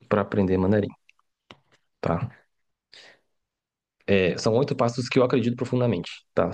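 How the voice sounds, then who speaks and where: The speaker is a middle-aged Mandarin teacher whose voice sits on the low side and sounds a little mellow. During his live online lesson he stays casual and chatty, keeps checking in with students and adds tag questions throughout.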